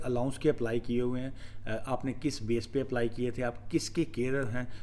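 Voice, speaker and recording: His intonation stays monotone and flat. The man keeps a moderate pace. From Punjab. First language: Punjabi (speaking Hindi). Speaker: immigration lawyer. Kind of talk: live Q&A. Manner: casual code-switching Hindi-Urdu, Punjabi, English.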